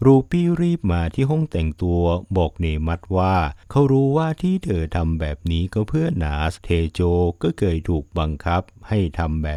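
A man narrating a plot recap of a drama in a steady, even storytelling manner. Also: low voice, no room sound, clean studio sound.

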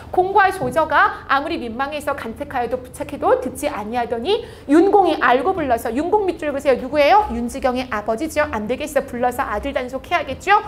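A woman tutoring exam-prep literature. She asks her own questions and answers them, and she retells old dialogue in lively everyday speech. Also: sits high, a little hiss or hum. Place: online lecture studio.

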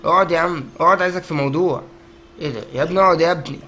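Fast-talking Egyptian gaming YouTuber man. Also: on the high side, a little hiss or hum. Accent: Egyptian Arabic. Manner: joking, excitable, talks to viewers. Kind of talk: let's-play commentary.

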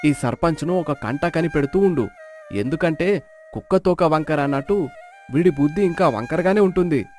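A man's voice: on the high side, animated, normal speed, a little mellow, natural voice. A man playing a clever, upright village fisherman in a moral story, speaking in an explanatory, declamatory way. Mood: wary. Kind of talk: dramatized moral story acting. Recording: flute music behind the voice.

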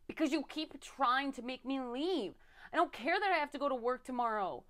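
A woman's voice: high voice, lively intonation, normal speed, a bit bright. A woman playing a tipsy, clingy, combative young party girl, whiny and dramatic, in a comedy monologue. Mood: whiny, indignant.

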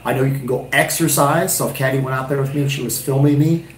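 A man's voice: medium pitch, steady tone, fast talker, slight background noise. Rambling man chatting in a roomy room. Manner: rambling, thinking aloud with many restarts. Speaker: beer reviewer and channel host. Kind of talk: casual live-stream chat. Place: small wood-paneled room indoors.

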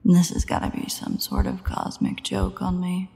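Low, husky sardonic vampire woman played by an actress. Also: wildly swooping pitch, moderate pace, mellow, exaggerated voice. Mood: bitter, brooding. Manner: sarcastic, grumbling, hesitant asides. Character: sardonic, guilt-ridden female vampire, protective and foul-mouthed. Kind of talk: intimate audio roleplay acting.

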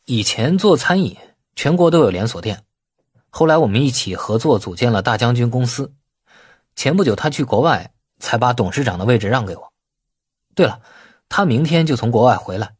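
Guy doing a smooth-talking young businessman for an audiobook, polite, eager to please, lively husky voice. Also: mid-range voice, brisk, no room sound, clean studio sound. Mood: polite, tactful.

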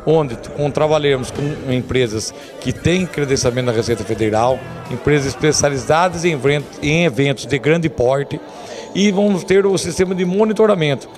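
A man's voice: a little high, darkish tone. A man in his forties with a Brazilian accent, a rodeo organiser answering questions in a TV interview. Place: indoor lobby. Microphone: handheld interview microphone. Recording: people audible in the background.

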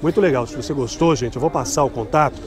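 Speaking at a quick pace in a mid-range voice, a Brazilian man in middle age films a nighttime market tour. His upbeat patter promotes clothes, and he repeatedly asks vendors what things cost.

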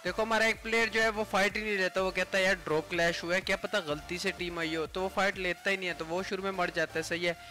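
A man's voice: high voice, flat delivery, quick pace, hardly any pauses, bright, forceful tone. A man giving casual, explanatory gameplay commentary, retelling what was said between players. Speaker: gaming YouTuber. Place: voice-over over mobile game footage. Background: music.

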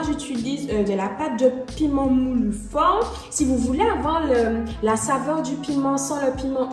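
A young woman vlogger talking casually as she cooks at home, chatty and relaxed, with fillers and small laughs. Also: sits high, roomy sound. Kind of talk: casual cooking commentary. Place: home kitchen.

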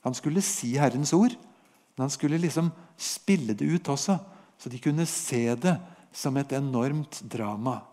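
A man's voice: medium pitch, lively intonation, mellow. A man with a Norwegian accent teaching the Bible on a podcast, retelling a prophet's story in a vivid, storytelling way and voicing God's words.

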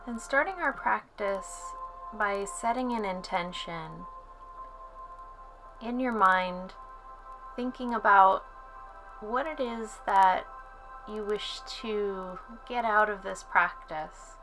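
A woman guides a relaxation practice in a calm, soothing voice at a medium pitch. She speaks very slowly, leaving long pauses between phrases as a yoga instructor would. Music plays clearly behind her. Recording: soft music under the voice.

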